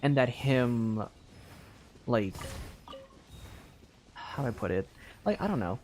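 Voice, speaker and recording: A man's voice: mid-range voice, big pitch swings, slow pace, darkish tone, a little hiss or hum. Rambling young man streaming a game. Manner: rambling, thinks aloud with many "like" fillers and restarts. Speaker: streamer playing a story game. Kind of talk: casual live-stream commentary.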